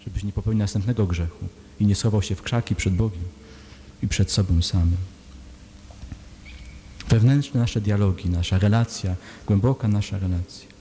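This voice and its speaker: Male preacher, low mellow voice, earnest questioning sermon delivery, long hall echo with a faint hum. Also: normal speed. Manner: rhetorical questions, earnest and pleading. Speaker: priest.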